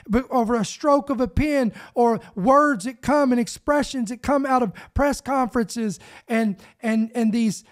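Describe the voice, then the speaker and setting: Fervent middle-aged male podcast preacher. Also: extremely high pitch. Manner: fervent, emphatic preacher, gesturing as he talks. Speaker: ministry podcast host. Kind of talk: podcast preaching and spoken prayer. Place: small home studio. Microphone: boom microphone close to the mouth.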